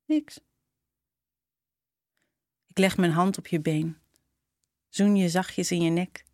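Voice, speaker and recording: Female narrator, lowish voice, unhurried intimate read, dry studio sound. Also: fairly even intonation, darkish tone, no echo. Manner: slow, intimate reading. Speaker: narrator reading a short story. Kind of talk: scripted storytelling.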